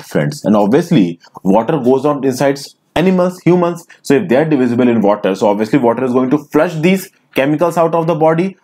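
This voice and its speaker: Man explaining a lesson, mellow voice. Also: mid-range voice. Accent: Indian English. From India. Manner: explanatory, repeatedly addresses listeners as friends. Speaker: teacher. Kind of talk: recorded screen lecture.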